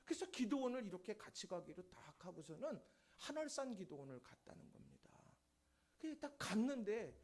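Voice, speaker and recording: A man preaching a sermon in a church, telling a testimony story and acting out the voices of the people in it. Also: extremely high pitch. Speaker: pastor. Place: church sanctuary.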